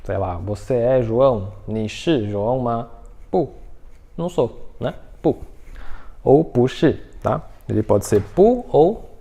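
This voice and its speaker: A man teaching an online Mandarin lesson in a warm, mellow voice. He explains patiently and keeps checking that the listener is following. He says his example phrases slowly and carefully. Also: mid-range voice, gravelly.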